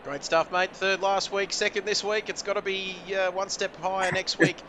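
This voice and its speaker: A man's voice: high voice, flat delivery, moderate pace, a crowd in the background. A man hosting post-race driver interviews in a chatty, joking way with lots of fillers. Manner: chatty, jokey, many fillers.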